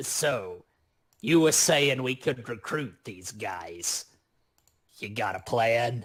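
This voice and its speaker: In a put-on character voice, a man talks very slowly with a raspy, medium-pitched sound and long, frequent pauses. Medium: actual play. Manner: flippant, sardonic.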